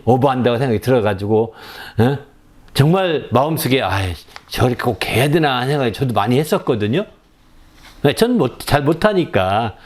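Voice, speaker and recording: A male pastor with a mid-range voice preaches a sermon, frequently prompting the congregation with quick questions and moving between soft asides and raised exclamations.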